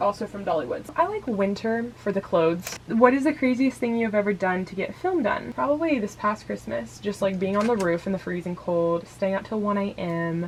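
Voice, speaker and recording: Over noticeable background noise, a woman talks at a fairly quick pace. Her medium-pitched voice has lively intonation. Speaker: stop-motion YouTuber. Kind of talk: casual Q&A vlog. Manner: calmer than her character voices.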